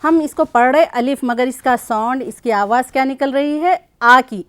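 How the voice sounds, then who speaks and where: A middle-aged woman teaches young children with a slightly raised voice. She explains patiently, asks questions and slowly repeats each sound. Her voice sounds dry and close. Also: sits high, a bit bright, clear, resonant tone, no room sound. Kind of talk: classroom lesson for children.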